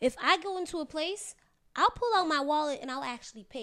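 A woman with an American accent uses a raised, projected voice, high in pitch with a bright, sharp tone. She moves at a fairly quick pace on a very clean recording with a silent background. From came to the US as a child from abroad. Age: 30s. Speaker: podcast guest. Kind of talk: casual chat. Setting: studio. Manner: fast.

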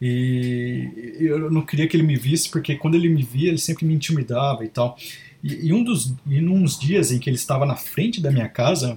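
The voice moves at a moderate pace, somewhat breathy, with a dark, mellow tone and lively intonation. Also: man. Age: 30s. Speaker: podcast host. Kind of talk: solo monologue podcast. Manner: halting, many repetitions and fillers.

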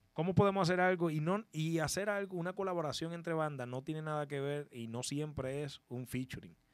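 At a fairly quick pace with hardly any pauses, a man speaks in a plain, everyday voice, fairly high, with ordinary pitch variation. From Dominican Republic and Puerto Rico. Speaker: rapper, band MC. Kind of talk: casual chat. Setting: studio, video recorded.

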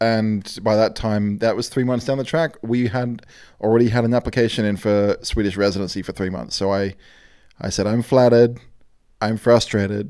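An Australian-accented man with a dark, mellow tone and fairly even intonation, on a very clean recording with a silent background. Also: medium pitch for a man, moderate pace. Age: 30s. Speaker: startup strategist and designer. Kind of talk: casual interview. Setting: co-working office.

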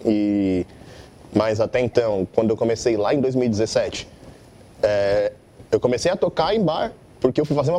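The speaker is a man whose pitch swings very widely. His pace is moderate. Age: 20s. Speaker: reggae singer. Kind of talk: talk show interview. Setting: TV studio.

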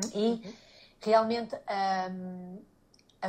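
A woman's somewhat breathy voice at medium pitch, with ordinary pitch variation. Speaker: psychologist and family therapist. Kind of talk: conversational interview. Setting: Instagram live video call.

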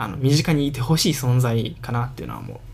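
At a very fast pace, a man speaks somewhat breathily in a medium pitch. His pitch variation is ordinary. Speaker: podcast co-host with girlfriend. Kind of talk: casual chat.

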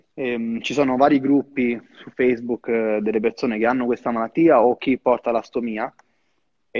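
At a moderate pace, a man speaks at a medium pitch in a plain, everyday voice. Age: 20s. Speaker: CrossFit coach and gym owner. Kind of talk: casual chat. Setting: at his gym under construction.

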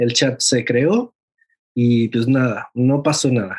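With a Mexican accent, a man speaks at medium pitch in a fairly even intonation. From Mexico. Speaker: doctor. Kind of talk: interview.

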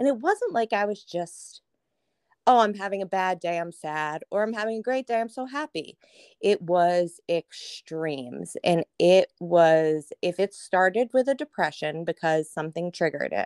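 A plain, everyday voice at a moderate pace with lively intonation, dry and close with no echo, on a very clean recording with a silent background. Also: woman, medium pitch for a woman. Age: 30s. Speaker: podcast guest sharing mental health experience. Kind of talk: personal testimony interview. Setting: podcast interview.

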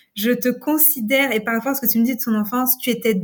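A woman with an ordinary speaking voice talks at a fairly quick pace with fairly even intonation. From Réunion. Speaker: podcast co-host. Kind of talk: casual chat.

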